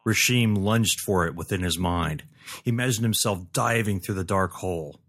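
Guy reading a fantasy story aloud, really low voice, steady and even. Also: normal speed. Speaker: audiobook narrator. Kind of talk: scripted story narration.

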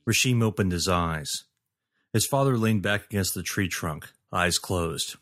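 A man giving a steady scripted narration of a fantasy story. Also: low voice, unhurried. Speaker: audiobook narrator.

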